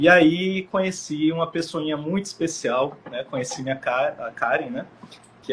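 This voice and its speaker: Amid noticeable background noise, a man with a São Paulo accent speaks at a moderate pace and fairly high pitch. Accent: São Paulo (paulistano). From Recife, northeastern Brazil. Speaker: philosophy professor and activist. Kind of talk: casual interview on a live stream.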